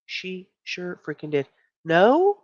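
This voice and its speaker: A woman's voice: fairly low pitch, big pitch swings, takes it slowly, darkish tone, no echo. A woman hosting a casual livestream, chatty and emphatic, with a stuffy nose. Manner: chatty, reacts to chat, emphatic. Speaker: livestream host. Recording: dull lo-fi stream audio.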